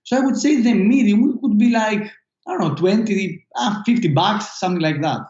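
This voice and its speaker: Greek-accented man, high and roomy. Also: normal speed, a little mellow, lo-fi sound. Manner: hesitant, many fillers and restarts. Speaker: startup founder guest. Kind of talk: casual interview answers.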